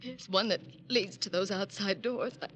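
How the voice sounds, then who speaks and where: A woman's voice: medium pitch, moderate pace, fairly bright tone, a little hiss or hum, lightly acted. An actress playing a young society woman in a 1940s radio crime drama, defensive and haughty in manner.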